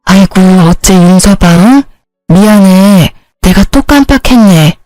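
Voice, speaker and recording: Storybook grandmother, meek and soothing, always apologizing, middle pitch, dry sound, as a woman reads her. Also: expressive, takes it slowly, warm tone, no echo, soft background music, rough recording. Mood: apologetic. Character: meek elderly mother, apologetic and gentle.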